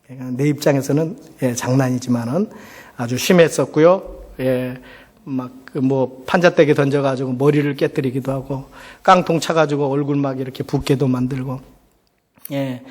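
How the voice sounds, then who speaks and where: A man's voice: mid-range voice, steady tone, normal speed, darkish tone. A middle-aged man, a pastor, giving a sermon as personal storytelling in a conversational way, often putting rhetorical questions. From South Korea. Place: large church hall. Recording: reverberant hall sound.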